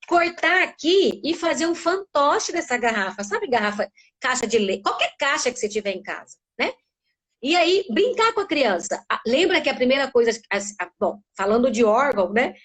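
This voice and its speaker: A middle-aged woman from Brazil, a speech therapist giving an animated talk in a live webinar and acting out sounds with her voice. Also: high-pitched.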